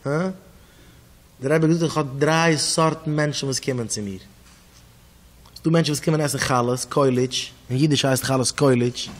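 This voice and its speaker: A man with a Hasidic Yiddish accent giving a sermon as a rabbi, telling stories with sudden swings in loudness and repeated words. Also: medium pitch, fairly even intonation, normal speed, pauses often, in a large hall.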